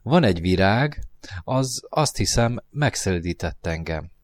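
A man's voice: low voice, animated. A man voicing a curious, polite little boy prince who keeps asking questions in a storybook reading. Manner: questioning, wondering.

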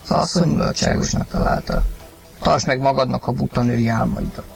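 A man reading a story aloud, narrating and acting the husband's lines with sudden loud outbursts. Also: medium pitch, wildly swooping pitch, vocal fry, soft background music. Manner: acted, rising to shouts in heated lines. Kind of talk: dramatized audiobook reading.

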